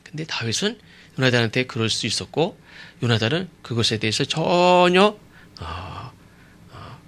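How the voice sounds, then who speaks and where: A man's voice: mid-range voice, lively intonation, moderate pace, a bit bright. A male pastor giving an expository sermon who keeps asking the congregation rhetorical questions and often uses fillers like "uh" and "yes".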